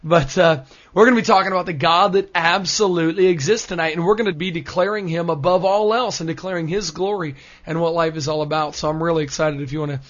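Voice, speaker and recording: A man's voice: fairly high pitch, quick pace, few pauses, a bit bright. Upbeat American man in his thirties. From United States. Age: 30s. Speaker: guest speaker. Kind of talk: studio radio conversation. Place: studio. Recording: dull lo-fi studio sound.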